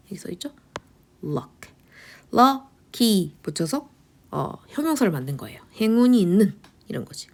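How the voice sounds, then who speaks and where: A woman teaching English vocabulary in a lecture, asking quick rhetorical questions and answering them herself, often dropping into a whisper. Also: on the low side, vocal fry, darkish tone.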